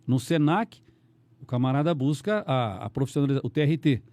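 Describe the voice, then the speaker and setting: A middle-aged Brazilian man, a radio announcer, chatting on a podcast in a rambling, animated way with many restarts. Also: mid-range voice, fairly quick, dry recording. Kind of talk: casual podcast conversation.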